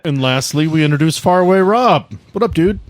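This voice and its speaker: A man's voice: fairly high pitch, lively intonation, a little fast, dry recording. A man in his thirties hosting a tabletop game podcast, chatting casually and recapping the story as game master. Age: 30s.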